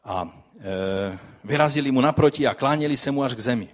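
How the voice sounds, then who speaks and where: A man preaching a sermon, telling a story vividly and putting rhetorical questions to his listeners. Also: mid-range voice. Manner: addresses the audience with rhetorical questions; animated storytelling with swings in loudness.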